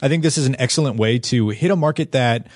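A man co-hosting a casual gaming podcast, giving a measured, analytical view. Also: mid-range voice, dry recording, clean studio sound. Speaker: podcast co-host.

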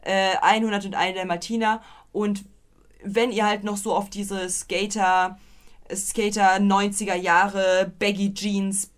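A woman's voice: medium pitch, little pitch movement, takes it slowly. Young woman, podcast co-host, casual and chatty, rambles and restarts, playful. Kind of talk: casual film review chat.

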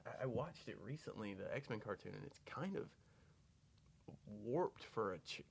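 Male host, lowish pitch, casual chat, conversational interviewing. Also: expressive, normal speed, creaky, breathy edge.

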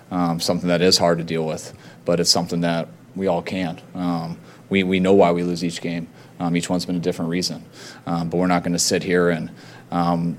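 A man speaking as a head coach at a post-game press conference, halting and measured with many fillers. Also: low-pitched, slight background noise.

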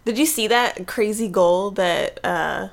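A woman's voice: mid-range voice, slow, creaky. A woman co-hosting a casual hockey chat, wry and chatty, often laughing.

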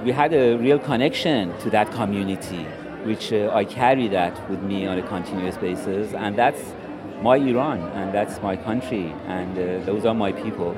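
A man's voice: on the low side, normal speed, crowd noise. A middle-aged man speaking reflectively in an interview.

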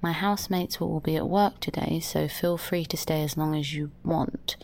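An actress playing a sleepy young woman talking softly and drowsily. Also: deep voice, steady tone, moderate pace, gravelly. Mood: drowsy. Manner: soft, drowsy, murmuring. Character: sleepy young woman waking in her lover's bed.

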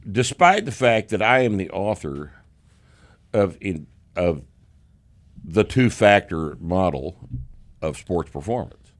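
A man with a slight Texas accent hosting a casual podcast, talking in a gruff, profane, sarcastic way. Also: low-pitched, big pitch swings, takes it slowly, pauses often. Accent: Texan. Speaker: podcast host, strength coach.

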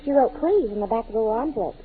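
A woman playing a sassy, disapproving wisecracker with a husky voice in a 1940s radio drama. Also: a little high, sing-song, very fast, heavily acted. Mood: sassy, teasing. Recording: tinny, muffled old radio recording.

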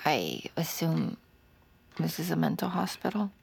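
A hushed, gravelly accused woman. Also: sits low, very animated, unhurried, full character voice. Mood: groggy, dazed. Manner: hushed, half-whispered delivery. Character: shaken woman accused of killing a child, pleading. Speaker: narrator and lead character. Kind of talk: audio drama acting.

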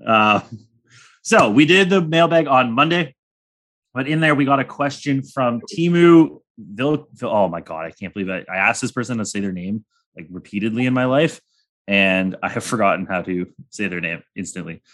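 A man's voice: medium pitch, expressive, moderate pace, fairly bright tone. A young man hosting a sports podcast in casual chat, rambling and joking with crude humor. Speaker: podcast host.

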